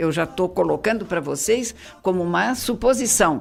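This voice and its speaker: A woman with a fairly low pitch and vocal fry swings her pitch very widely. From Santa Catarina, Brazil (Laguna). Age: 80s+. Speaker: dentist and political activist. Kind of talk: heated debate.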